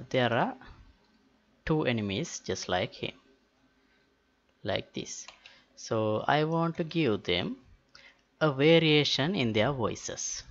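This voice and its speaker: A man talking through a software tutorial unscripted, thinking aloud in a halting way with pauses mid-sentence. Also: medium pitch. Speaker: tutorial host. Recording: dull, muffled lo-fi voice-over. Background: keyboard typing and mouse clicks.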